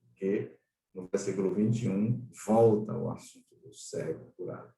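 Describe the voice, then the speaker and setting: A man's voice: low-pitched, moderate pace, gravelly, dark tone. A Brazilian man leading an online Bible study, explaining scripture in a didactic way as he reads it aloud. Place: online video-call class. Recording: roomy echo, distant microphone.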